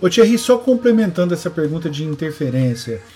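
A man's somewhat breathy voice carries a dark, mellow tone. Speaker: podcast co-host. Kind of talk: casual chat.

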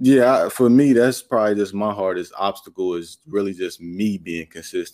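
A man's fairly low voice at a moderate pace, with hardly any pauses and ordinary pitch variation, on a very clean recording with a silent background. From Arkansas. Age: 20s. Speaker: podcast host. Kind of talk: casual interview.

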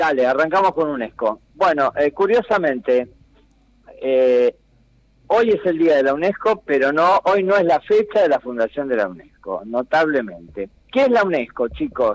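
A man with a fairly high pitch speaks in a dry, close sound with no echo. His loudness is very even while his pitch swings very widely. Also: moderate pace. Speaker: history columnist. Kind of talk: radio segment talk.

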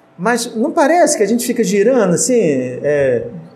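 The delivery is fairly slow. There is audible room echo and noticeable background noise. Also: man. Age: 40s. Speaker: church teacher. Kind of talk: Bible study discussion.

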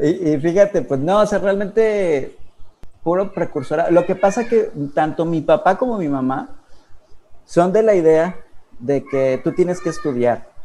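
Lively intonation marks this man's high voice. He speaks at a fairly slow pace. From northern Mexico, Linares, Nuevo León. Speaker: former Jehovah's Witness, youtuber. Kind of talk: testimony in live-stream interview. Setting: live stream, remote call.

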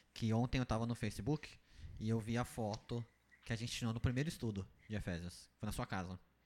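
Fairly quick in pace, a man with an ordinary speaking voice talks at a medium pitch with ordinary pitch variation. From São Paulo state, Brazil. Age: 20s. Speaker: church youth group podcast host. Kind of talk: casual chat.

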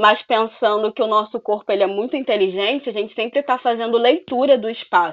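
A woman at a fairly high pitch in a strong Rio de Janeiro accent, fairly quick pace and ordinary pitch variation. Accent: strong Rio de Janeiro (carioca). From Rio de Janeiro, Brazil (raised there, Angolan family). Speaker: pelvic movement and dance teacher. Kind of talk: casual chat.

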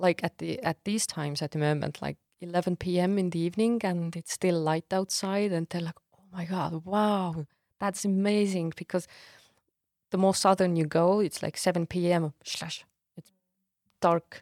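On a very clean recording with a silent background, a woman with a British accent speaks at a moderate pace, her fairly low pitch held in fairly even intonation. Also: dry, close sound with no echo. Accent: British-sounding English. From Estonia. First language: Estonian. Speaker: people advisers team lead. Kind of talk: interview.

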